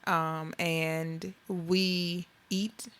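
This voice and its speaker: A woman's voice: lowish voice, level tone, very slow, fairly bright tone, clear, resonant tone. A woman from South Carolina with a Southern Black American accent touched by Gullah Geechee, telling stories conversationally as an interview guest. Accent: Southern Black American with Gullah Geechee influence. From Beaufort, South Carolina, United States.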